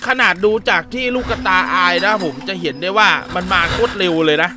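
A young man with a high, very bright voice narrates a horror game let's play. His voice is a little hoarse and dry, and he chats along, breaking into startled yelps and nervous laughs. Faint noise sits under the recording. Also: brisk. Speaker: gaming YouTuber.

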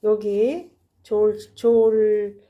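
A woman with a mid-range voice, level tone and drawn-out words hosts a gardening channel, walking through her balcony garden and fondly chatting about her plants with frequent sighing exclamations. The sound is lo-fi.

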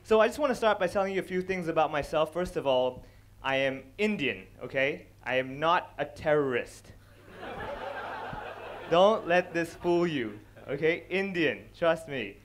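A young man from Hong Kong works a large stage as a stand-up comedian, talking into a headset mic. His voice sits high and swings through a wide, lively range. He slips into quick character voices as he tells his stories. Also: slight background noise. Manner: animated, acts out characters with quick voice changes. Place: large dark stage before a live audience.

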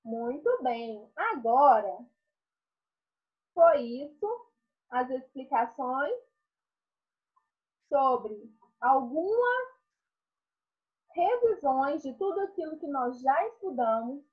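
With a high, sing-song voice, this primary school teacher reviews a lesson for her pupils over an online class. She asks questions slowly and answers them on her own, and the recording is muffled.

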